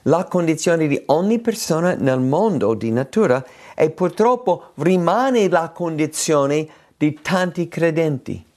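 A male preacher delivering a sermon at an unhurried, deliberate pace. His voice sits a little higher than most men's and climbs higher still on the phrases he stresses. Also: expressive, darkish tone. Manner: slow and deliberate, rising in pitch on emphatic phrases. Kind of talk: sermon with scripture reading.

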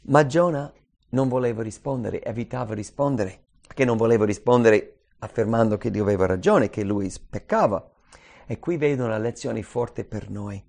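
A man's voice: lowish voice, normal speed, gravelly, a little mellow. A man preaching a sermon, reading scripture aloud and repeating key phrases with earnest emphasis.

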